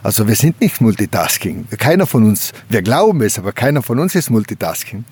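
Low husky guy, slow and thoughtful, lots of pauses, sitting outside in the mountains. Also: very animated, darkish tone, no echo. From Gröden valley, South Tyrol, Italy. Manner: slow, thoughtful, searching for words with frequent hesitations. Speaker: interviewee. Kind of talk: reflective outdoor conversation. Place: outdoors on a mountain slope by a wooden hut.

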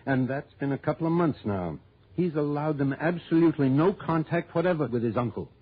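In the style of a 1960s radio drama, an actor plays a folksy, opinionated male client who insistently stands by his suspicions. His voice is fairly high, husky, and brisk with lively intonation, heard through a tinny old radio broadcast.

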